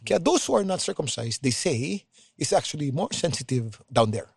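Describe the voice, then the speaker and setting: A man talking on a podcast as the guest, laying out facts in an informative, explanatory way. His voice is husky, and it sits close and dry on the mic. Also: fairly high pitch, big pitch swings, normal speed, a little mellow, dry recording. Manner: explains facts in an informative tone, mixing Filipino and English. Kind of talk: casual podcast chat.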